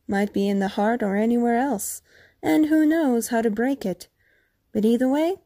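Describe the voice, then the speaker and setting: A woman slowly narrating the backstory of a creature character. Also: a little high, dark tone, dry recording, clean studio sound. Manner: slow, explaining a character's backstory. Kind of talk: scripted narration.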